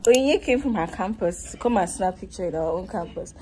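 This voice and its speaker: A woman's voice: medium pitch, expressive, dark tone. A woman in her twenties from Nigeria, with a Nigerian accent, chatting casually as a vlogger into a phone held at arm's length. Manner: chatty, quick asides. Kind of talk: casual vlog chat.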